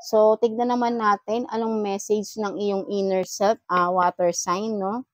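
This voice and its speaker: A woman's voice: mid-range voice, level tone, measured pace, no echo. A woman giving a casual tarot reading, chatty and advising, often ending phrases with little questioning tags. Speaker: tarot reader.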